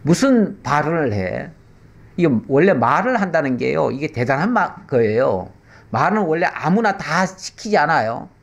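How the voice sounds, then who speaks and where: A middle-aged male pastor teaching the Bible in a conversational way, explaining with rhetorical questions and slow pauses. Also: fairly high pitch, very animated, gravelly.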